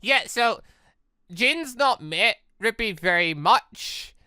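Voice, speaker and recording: A gaming video host doing rambling let's play commentary and reading a visual novel aloud, in an animated way. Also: medium pitch, slow pace, smooth, no echo, studio quality. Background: game music.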